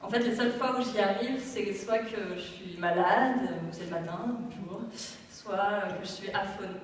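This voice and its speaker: A woman's voice: mid-range voice, normal speed, a little hiss or hum. Performance artist in her thirties, playful and reflective, recorded live at a distance. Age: 30s. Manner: thoughtful, playful, loosely improvised. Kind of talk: spoken commentary in a live stage performance. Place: arts venue, live performance. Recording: echoey live hall from far off.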